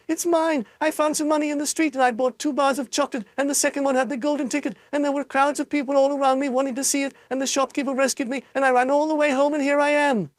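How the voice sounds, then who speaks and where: A man voicing an excited young boy who talks high and breathlessly in a rush. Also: no room sound.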